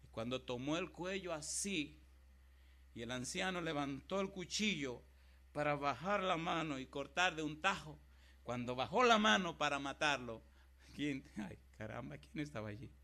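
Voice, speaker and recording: A middle-aged pastor preaching a sermon, moving between loud, emphatic declarations and quiet, tender storytelling. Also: male voice, fairly high pitch, lively intonation, moderate pace, creaky. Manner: dramatic preaching that swings from loud exclamations to hushed storytelling.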